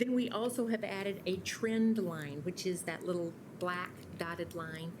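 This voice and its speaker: A woman with a fairly low voice speaks with ordinary pitch variation. Noticeable background noise and audible room echo are present. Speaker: city official presenting budget. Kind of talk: council meeting presentation. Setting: council chambers. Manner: slow.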